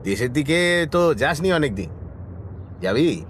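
A man's voice: a little high, big pitch swings, measured pace, a little hiss or hum. An actor playing a good-natured, insistent middle-aged village man chatting familiarly with an old friend in an audio story. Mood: coaxing, insistent.

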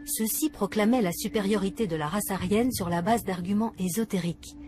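A middle-aged woman presenting a documentary, asking dry, probing questions with quiet irony. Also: medium pitch, fairly quick, over music. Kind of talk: documentary interview and narration.

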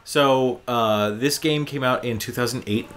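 A man's voice: medium pitch, a little slow, a bit bright, a little hiss or hum. A man hosting a gaming show, giving casual gameplay commentary in an informal, enthusiastic fan's manner.

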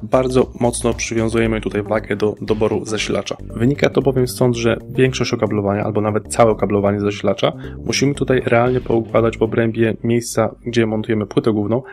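Male reviewer, mid-pitched, slightly gravelly, measured scripted voice-over with faint music underneath. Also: a little mellow. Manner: precise, measured technical delivery. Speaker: hardware reviewer.

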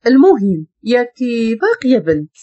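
A woman's voice: a little high, very animated, normal speed, dark tone, husky, no echo, highs cut off. A woman voicing a scheming young woman from the neighborhood, speaking in a cool, blunt, persuasive way with a Moroccan accent. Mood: coaxing.

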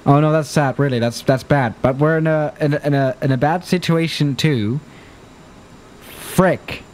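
A man's voice: a little high, a little slow, a little hiss or hum. A young man streaming a flight sim, chatting loosely and getting flustered when things break, on a desk mic in a small room. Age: young adult. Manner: chatty, excitable, flustered by emergencies. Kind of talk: live-stream commentary. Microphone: studio mic on desk.

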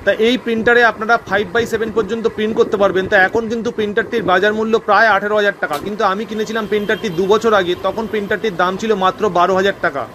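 Brisk, high-voiced Bengali man. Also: steady tone, fairly bright tone, slight background noise. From West Bengal, India. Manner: brisk, instructive, addresses viewers as friends. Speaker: cyber cafe owner and channel host. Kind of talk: explanatory voice-over narration.

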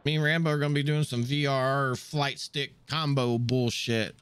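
A young man hosting his own game stream, chatting loudly and casually with friends, on a headset mic at home. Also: medium pitch, steady tone, moderate pace, smooth. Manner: loud, talks over friends on voice chat. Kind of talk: casual gaming stream chat. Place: home gaming room.

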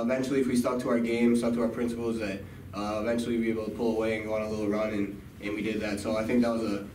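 A young male college basketball player giving modest, halting postgame answers, full of "uh" and "kinda.". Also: lowish voice. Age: young adult. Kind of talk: postgame press conference answers. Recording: echoey room, distant mic, noticeable background noise.

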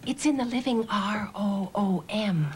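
A woman playing a secretive mother in a children's TV sketch, speaking in a hushed, deliberate way. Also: mid-range voice, close to an everyday voice. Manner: hushed, deliberate, spells words letter by letter. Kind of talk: scripted children's educational TV sketch. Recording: noisy vintage 1970s TV soundtrack.

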